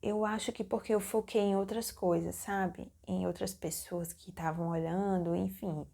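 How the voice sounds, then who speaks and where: A young woman vlogger telling the story of her childbirth in a casual, halting, heartfelt way, acting out what she said at the time. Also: mid-range voice, fairly even intonation, gravelly, warm tone. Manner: halting and heartfelt, acts out her own remembered lines. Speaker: mom vlogger. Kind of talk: personal birth story, casual narration.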